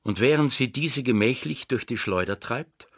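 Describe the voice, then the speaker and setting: A man's voice: mid-range voice, normal speed, a bit bright, dry recording, studio quality. A man reading scripted literary narration for an audiobook. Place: dry studio.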